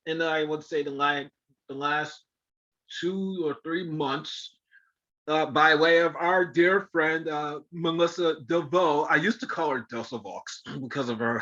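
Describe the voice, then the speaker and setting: A man hosts an interview with a bright, forceful voice, sitting a little high for a man. He talks in an effusive, affectionate and rambling way. The audio sounds dull and lo-fi. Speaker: podcast host. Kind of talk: casual interview chat.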